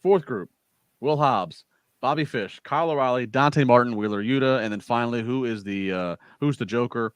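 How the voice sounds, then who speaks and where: A man's voice: mid-range voice, moderate pace, clear, resonant tone, no echo. A man hosting a casual wrestling podcast, rambling through a show recap with many fillers and restarts. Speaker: podcast host.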